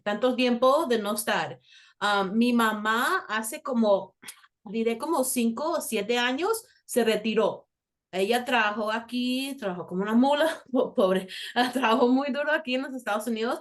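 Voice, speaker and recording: A woman from Colombia, raised in the United States, speaking Spanish with a Salvadoran-influenced accent as a guest counselor in an interview, in a conversational way with restarts. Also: mid-range voice. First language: English. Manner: conversational, with light laughs and restarts. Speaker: multicultural school counselor, guest. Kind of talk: interview answers.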